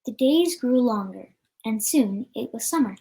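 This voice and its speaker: A woman reading a storybook aloud in a plain, somewhat halting manner. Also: fairly high pitch, lively intonation, mellow. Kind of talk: read-aloud storybook narration.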